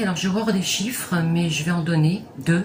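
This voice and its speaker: A woman takes a fairly slow pace as noticeable background noise carries on behind her. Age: 60s. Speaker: unemployed senior giving testimony. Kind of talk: testimony. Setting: to camera. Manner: hesitant, many fillers.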